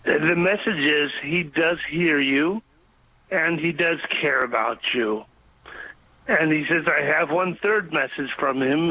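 A man calling in to a radio show, who talks slowly and haltingly with many pauses and fillers. His speech is slowed after a stroke. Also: on the high side, creaky, dry recording. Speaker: caller. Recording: muffled phone line.

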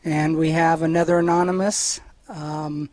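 A man's voice: a little high, level tone, a little slow, darkish tone, dry recording. A man co-hosting a live radio fundraiser, reading donor names and giving levels with frequent "uh" fillers. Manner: reads lists with frequent "uh" fillers.

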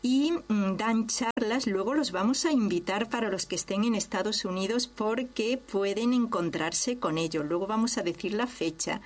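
A woman's voice: mid-range voice, normal speed, hardly any pauses. A woman hosting a Catholic radio programme, a religious sister with a chatty, informal, digressive way of talking. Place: radio studio in Barcelona.

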